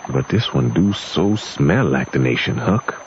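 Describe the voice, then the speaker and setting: A gentle runaway father with a very deep voice and a folksy Southern drawl. He speaks with heavy sorrow, in old radio drama style. The recording is muffled with faint noise. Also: expressive. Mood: weary, confiding. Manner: folksy rural dialect, drawn-out lamenting.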